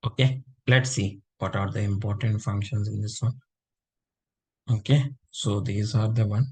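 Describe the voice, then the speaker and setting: Soft-spoken, dark-voiced male tutor. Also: fairly low pitch, fairly even intonation, unhurried, slightly rough. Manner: repetitive, checks understanding often with fillers. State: unwell, voice low. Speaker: instructor. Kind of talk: live online class lecture. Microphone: video call.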